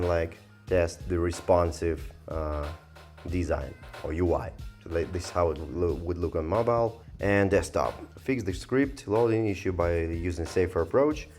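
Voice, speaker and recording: Low-voiced man thinking aloud. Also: a little mellow. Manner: rambling, hesitant, thinking aloud. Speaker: software reviewer. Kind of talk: casual screen-recorded review commentary.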